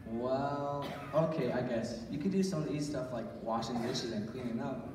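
A man's voice: mid-range voice, moderate pace, darkish tone, close to an everyday voice. A man playing an eager, wisecracking, boastful boy in an amateur stage radio play. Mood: cocky. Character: eager, cheeky boy Sammy, joking, bossy little brother. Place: church stage before an audience. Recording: echoey church hall, distant, faint noise.

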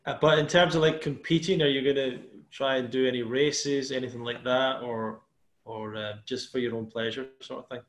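A man's voice: medium pitch, steady tone, moderate pace, fairly bright tone. A man hosting a podcast interview on a video call, asking loose, easygoing questions. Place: small bare room indoors. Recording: echoey room on a call.

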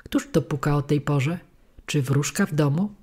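A woman's voice: deep voice, moderate pace, darkish tone, breathy edge. A woman voicing a cold, desperate wooden puppet boy who begs urgently, in a storybook reading. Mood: pleading. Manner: pleading, urgent.

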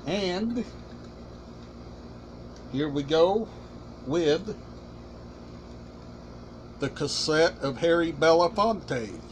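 A middle-aged man hosting a casual collection vlog, talking deliberately in short, halting, emphatic phrases. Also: fairly high pitch, animated, a little hiss or hum. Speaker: collection channel host. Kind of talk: casual show-and-tell vlog. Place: small room indoors.

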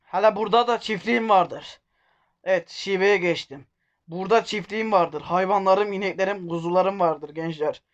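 A gruff, bossy warlord barking in a rough Black Sea Turkish dialect, as a man puts him on in comic role-play over a game. The voice sits high for a man and stays folksy. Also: normal speed, dull audio, lightly acted. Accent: put-on Black Sea Turkish dialect. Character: rustic male warlord speaking in a rural dialect.

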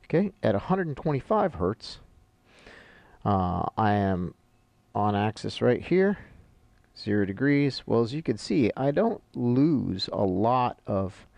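Annotating charts as he goes, this middle-aged instructor walks through technical content informally, step by step, almost thinking aloud. His fairly low voice is sing-song, slow and a little mellow, with vocal fry, captured on a dry recording.

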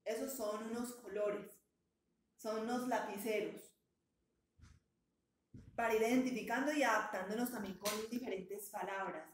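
A woman teacher gives a bilingual English lesson with a patient, encouraging manner. She slows down and draws out words so learners can copy their pronunciation. Her slightly high voice rings in a roomy, echoey space. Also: steady tone, slight background noise. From Colombia. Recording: echoey room sound.

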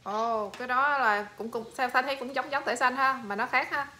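A woman asks short, casual questions and reacts in brief bursts. Her voice is bright and clear. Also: sits high, fairly even intonation, fairly quick, a little hiss or hum. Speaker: interviewer. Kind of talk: casual interview.

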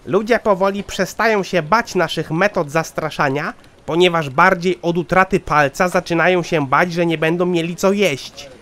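A man's voice: sits high, normal speed, fairly bright tone. A man voicing a callous, dutiful foreman in a satirical cartoon, reporting formally and matter-of-factly.

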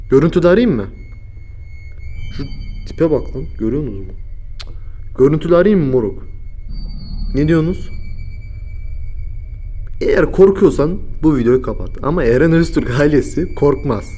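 A man's voice: on the high side, animated, moderate pace, pauses often, muffled recording. Young man, slangy vlogger, mutters then yelps, faint music behind. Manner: slangy, exclaiming, swings between mumbling and yelling. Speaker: YouTuber. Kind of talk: scare prank vlog.

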